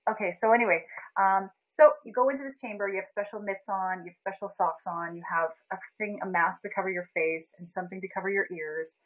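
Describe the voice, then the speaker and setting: A young Canadian woman hosts a livestream, chatting casually in a fast, mid-range voice over a low-quality recording. She tells a story with animated energy, laughs often, and reads out viewers' names to greet them.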